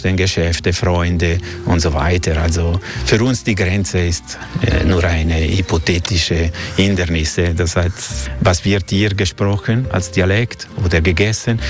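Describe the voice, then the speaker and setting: Very deep-voiced Italian-accented man. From southern Switzerland. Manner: halting, searching non-native phrasing. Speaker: local interviewee. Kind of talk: conversational interview.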